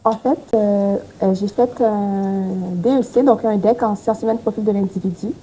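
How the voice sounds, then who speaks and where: A woman's voice: mid-range voice, fairly even intonation, normal speed, dark tone, a little hiss or hum, poor audio. A young woman who grew up in Haiti and speaks, a guest talking frankly and reflectively with many fillers. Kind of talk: casual interview talk.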